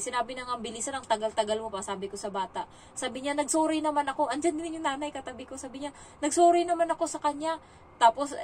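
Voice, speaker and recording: A woman's voice: on the high side, far from the mic, a little hiss or hum, poor audio. A young woman from the Philippines, a domestic helper, chatting casually in a vlog and retelling her day with lots of fillers.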